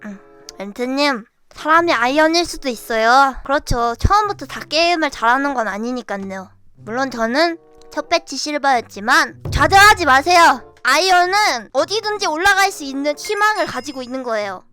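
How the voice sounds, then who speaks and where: A bubbly, teasing woman hosts a playful livestream with a high, bright voice. Faint music plays softly behind her as she chats. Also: animated, normal speed. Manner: bubbly, teasing, mock-archaic advice voice. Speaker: streamer host. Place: virtual world livestream.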